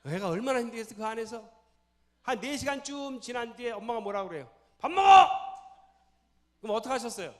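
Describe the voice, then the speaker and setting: A man preaching a sermon in a church, animated, firing questions at the congregation and acting out scenes. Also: very high-pitched, fast talker. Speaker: pastor.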